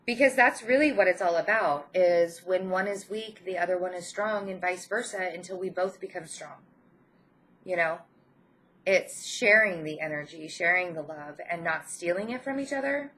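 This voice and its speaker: Speaking in a lowish voice and nursing a head cold, a woman hosting her channel offers viewers a casual spiritual card reading. She sounds gentle and encouraging, with hesitant pauses in the middle of phrases.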